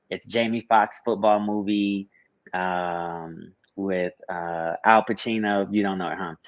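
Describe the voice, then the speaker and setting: A man's fairly low voice, monotone and flat. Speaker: media company CEO. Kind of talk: interview. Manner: usually speaks very fast.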